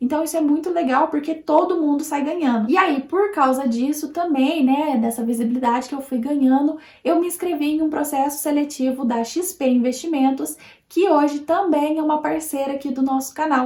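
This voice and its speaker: A woman's high-pitched voice with a dark, mellow tone, fairly even intonation and a moderate pace. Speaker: YouTuber and entrepreneurship content creator. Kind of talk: casual vlog monologue to viewers.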